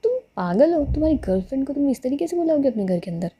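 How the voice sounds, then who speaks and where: A woman's voice: sits high, big pitch swings, fast, warm tone, muffled recording. A woman voicing a drowsy, irritated young woman who complains about being woken at night. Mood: grumpy, sleepy.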